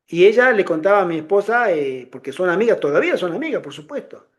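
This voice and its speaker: A middle-aged man speaks to a congregation in an informal, testimony-like way. His voice sits high for a man, and he tells the story with animation, acting out the voices of the people in it. It sounds like a lay ministry talk rather than a prepared sermon. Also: big pitch swings, fast talker.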